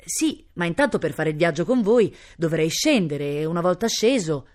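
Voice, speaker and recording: A woman voicing a gentle but stubborn young baron, polite, hesitant and yet firm, in a storybook reading. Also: on the low side, lively intonation, normal speed, close to an everyday voice. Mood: hesitant, tender.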